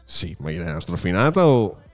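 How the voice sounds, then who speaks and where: A man's voice: low-pitched, sing-song, a little fast, gravelly, faint music behind. A man co-hosting a livestream, bantering casually in a blunt, joking way. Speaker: livestream co-host.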